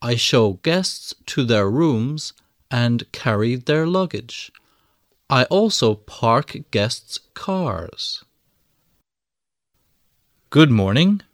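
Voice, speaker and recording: A man reading scripted language-lesson audio, enunciating each word slowly and clearly. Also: medium pitch, expressive, dry recording, clean studio sound. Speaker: textbook audio reader.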